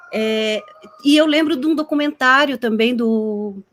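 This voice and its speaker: A woman talks with ordinary pitch variation. Noticeable background noise can be heard. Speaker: academic researcher. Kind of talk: conference talk. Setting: online live panel.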